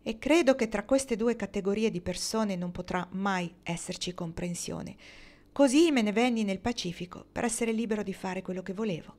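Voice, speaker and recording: A woman reading the part of a restless, stubborn male builder who calls himself his family's black sheep, in a calm, measured way. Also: mid-range voice, natural voice. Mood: reflective. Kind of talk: audiobook reading.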